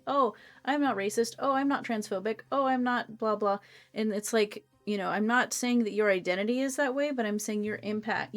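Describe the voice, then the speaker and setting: A woman with a medium-pitched voice explains things casually and thoughtfully, dropping in conversational asides. Faint music plays behind her as she talks. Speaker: co-host explaining to an audience.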